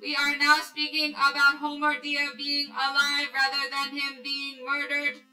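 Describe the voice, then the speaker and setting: A female pleasure android in a sci-fi radio play, high and bright in voice. She is polite, literal and stiffly seductive, like a scripted machine, heard in an echoey space with music behind. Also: completely flat delivery, a little slow, heavily acted. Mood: flatly seductive. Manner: robotic, formulaic, stilted sultry delivery. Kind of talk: sci-fi radio drama acting.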